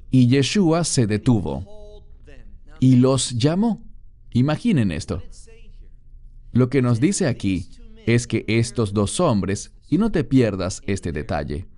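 Animated man preaching a sermon. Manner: emphatic, with dramatic pitch swings. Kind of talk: expository sermon.

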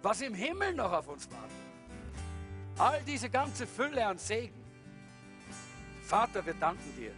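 A man's voice: high voice, wildly swooping pitch, measured pace, long pauses, over music. A man preaching a sermon that ends in prayer, fervent and calling out hallelujah again and again. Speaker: pastor.

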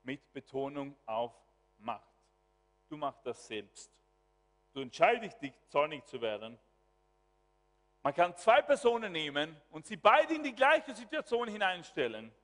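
A man preaching a sermon as pastor, swinging from quiet asides to loud exclamations. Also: a little high, big pitch swings, measured pace. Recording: long hall reverb.

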